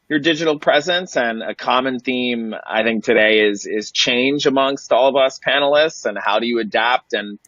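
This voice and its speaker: A man's voice: medium pitch, a bit bright, no echo. A man giving a polished, aphoristic introduction as a chief executive on an online panel. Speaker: CEO, webinar panelist. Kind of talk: polished professional pitch. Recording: muffled dry online-call audio.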